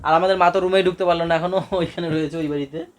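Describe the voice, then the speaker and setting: A woman's voice: lowish voice, fairly even intonation, racing. A young woman from West Bengal chatting playfully with a small child at home in a casual family vlog. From West Bengal, India. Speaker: family vlogger. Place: home indoors.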